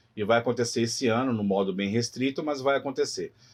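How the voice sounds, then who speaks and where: This man's voice has a medium pitch. It varies in pitch in an ordinary way. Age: 40s. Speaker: para-karate instructor. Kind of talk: interview. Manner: halting.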